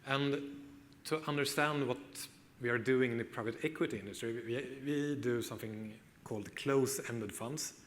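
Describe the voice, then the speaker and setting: A man's voice: mid-range voice, moderate pace, slight background noise. A man with a Swedish accent presenting at a tech conference, explaining steadily with some fillers, on a stage microphone. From Sweden. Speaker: conference speaker. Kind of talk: conference talk.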